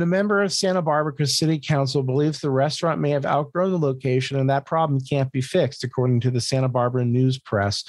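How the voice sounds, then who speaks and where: A man's voice: mid-range voice, a little mellow, no room sound. An American man co-hosting a podcast in casual comedic chat, swearing freely and repeating words emphatically as he explains. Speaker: podcast co-host.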